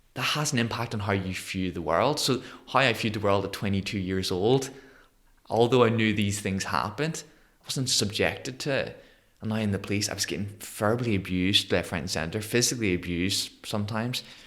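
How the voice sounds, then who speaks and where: Speaking in a Belfast accent, a man uses a fairly low pitch with ordinary pitch variation at a fairly quick pace. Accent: Belfast Northern Irish. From Northern Ireland, Belfast. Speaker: motivational speaker, former police officer. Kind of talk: podcast interview.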